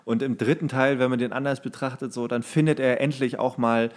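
Male podcast host, mid-pitched, casual and rambling, halting delivery. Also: steady tone. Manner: rambling, halting, searching for words. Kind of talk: casual film chat.

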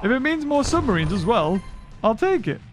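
A man giving excitable, rambling let's play commentary into a desk microphone, thinking aloud as he plays. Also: extremely high pitch, fairly quick, over music. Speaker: gaming commentator.

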